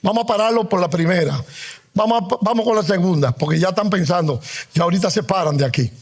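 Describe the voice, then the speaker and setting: High-voiced man preaching a sermon. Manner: calls the congregation to repeat after him; emphatic, drawn-out stressed words. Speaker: pastor.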